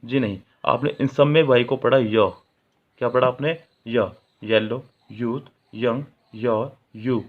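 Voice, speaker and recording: A male teacher with a mid-range voice and fairly even intonation takes his time explaining English grammar in Hindi. In this classroom-style video lesson, he reads example sentences aloud and poses questions to the viewer that he answers himself. The audio is tinny, like a phone.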